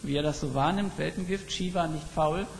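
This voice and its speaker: Male preacher, raised pitch, deliberate storytelling pauses, long hall reverb. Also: vocal fry. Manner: reflective, slow emphatic storytelling. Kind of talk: sermon. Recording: long reverb with faint background noise.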